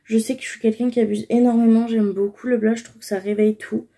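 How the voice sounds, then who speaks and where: A woman's voice: on the high side, little pitch movement, fast talker, creaky, dark tone. A young woman casually talking through her makeup routine, explaining each step with frequent fillers. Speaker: beauty vlogger.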